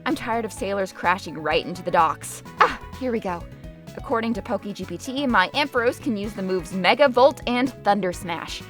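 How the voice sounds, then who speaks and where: A woman playing an irritable, gullible gym leader with a brash, sarcastic manner in an animated parody. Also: mid-range voice, moderate pace, faint music behind, lightly acted. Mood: irritated, smug.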